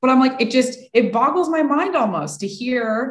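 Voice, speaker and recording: The woman's tone is enthusiastic and somewhat breathy. She speaks with lively intonation. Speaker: podcast host. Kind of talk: casual chat.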